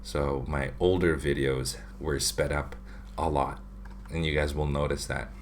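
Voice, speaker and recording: Low-voiced man chatting on a livestream. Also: steady tone, measured pace, slight background noise. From Philippines. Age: 30s. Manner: chatty, reads viewer questions aloud with many fillers. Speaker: livestream host, drawing channel. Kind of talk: casual livestream chat. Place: home room with shelves of figures. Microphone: webcam at desk.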